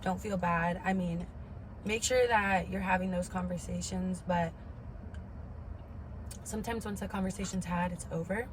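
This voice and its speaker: Low-voiced young woman, even delivery. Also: moderate pace, long pauses, noisy background. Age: 20s. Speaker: vlogger. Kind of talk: candid personal talk to camera.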